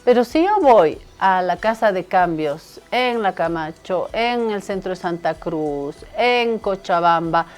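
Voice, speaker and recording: A woman hosting a morning TV talk show, talking in a lively, teasing, conversational way. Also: on the low side, unhurried, few pauses, soft background music. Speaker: TV show host.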